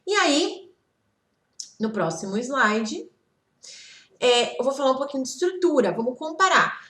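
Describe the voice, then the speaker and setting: A woman teaching English grammar from slides, speaking slowly and patiently when she models example phrases and checking in with her listeners as she goes. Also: high voice, big pitch swings, fairly bright tone. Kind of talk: slide-based grammar lesson. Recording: echoey room, voice off-mic.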